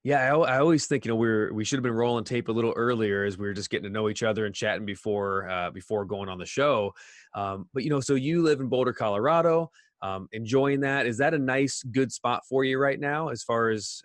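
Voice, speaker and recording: A man's voice: fairly low pitch, fairly quick, no echo. Host, man, upbeat and friendly interviewer, dry studio mic. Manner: energetic, friendly, fillers like um and you know. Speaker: podcast host. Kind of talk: casual interview hosting.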